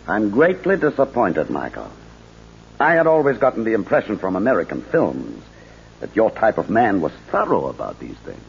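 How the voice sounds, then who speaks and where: An actor playing a cold, sardonic foreign spy ringleader in a 1950s radio drama, speaking formally with measured, menacing politeness. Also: male voice, lowish voice, huge pitch swings, creaky, full character voice. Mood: cold disappointment. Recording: muffled, noisy 1950s radio recording.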